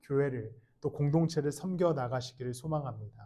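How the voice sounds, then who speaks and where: A man's somewhat breathy voice carries a dark, mellow tone and ordinary pitch variation. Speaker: pastor. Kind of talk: sermon. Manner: fast.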